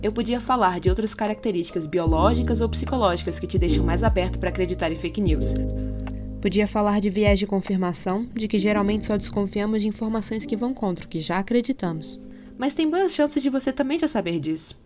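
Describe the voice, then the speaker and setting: Speaking a little fast in a medium-pitched voice, this Brazilian woman reads out a scripted essay for a podcast, with music playing behind her. She explains as she goes and keeps raising rhetorical questions.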